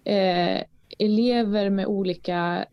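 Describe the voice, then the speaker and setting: A woman's voice: mid-range voice, fairly even intonation, clear, resonant tone, no room sound, highs cut off. A woman speaking as a researcher in a conversational interview, explaining her field in a hesitant, thoughtful way. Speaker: education researcher, interview guest.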